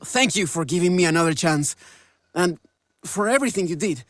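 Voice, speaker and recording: A man's voice: high voice, animated, brisk, fairly bright tone, no room sound. A man acting a lovesick, earnest young mercenary in a video game, melodramatic and formally spoken. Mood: humbly grateful.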